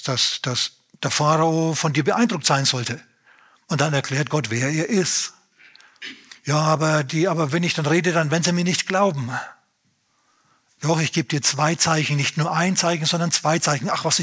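A man gives a sermon in an animated, conversational way, acting out the voices of the people in the story. His voice is a little high for a man and has a husky edge. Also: normal speed. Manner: animated, acts out dialogue in a conversational tone. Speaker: preacher. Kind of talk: lively sermon retelling scripture.

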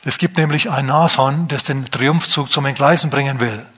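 A man preaching a sermon, animated, now and then mimicking complaining voices in a higher pitch. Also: moderate pace, slightly rough.

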